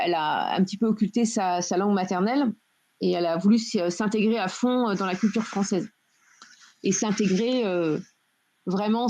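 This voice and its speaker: A woman's voice: mid-range voice, darkish tone. A woman in her twenties from France, talking in a casual group discussion and searching for her words as she goes. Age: 20s. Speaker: discussion guest. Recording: dull lo-fi sound.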